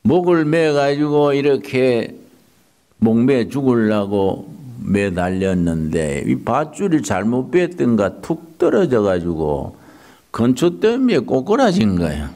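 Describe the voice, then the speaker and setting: A male pastor delivers a storytelling sermon at a slow, deliberate pace. His pitch swings widely as he builds moments of emotion, and he often turns to his listeners with rhetorical questions. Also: big pitch swings, dark tone.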